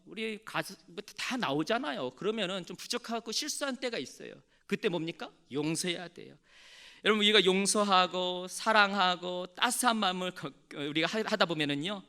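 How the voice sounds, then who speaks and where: A man's voice: sits high, sharp tone, clean tone. A male pastor delivering a sermon, telling stories with animation and calling on the congregation to respond.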